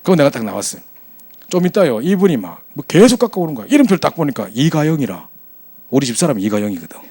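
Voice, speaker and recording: Brief: male pastor, lively storyteller, quick and fairly high voice. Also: breathy edge. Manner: animated, chatty storytelling with acted quotes. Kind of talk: storytelling sermon to young adults.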